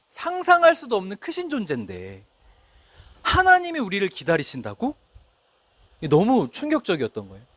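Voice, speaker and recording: A man's voice: sits high, fairly bright tone, no echo. A middle-aged male pastor preaching a sermon, telling a story and asking the congregation questions. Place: church.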